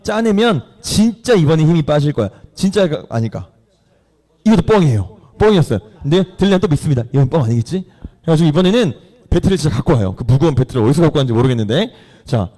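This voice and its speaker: High, lively male preacher. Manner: lively, playful, acts out voices and asks the congregation questions. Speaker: pastor. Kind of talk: animated sermon storytelling. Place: church.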